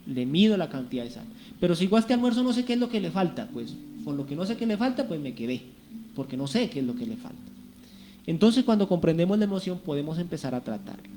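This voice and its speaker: A man's voice: a little high, sing-song, quick pace, warm tone. Man preaching on Christian radio, noisy. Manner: conversational, asks rhetorical questions, acts out inner voices. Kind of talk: reflective radio sermon.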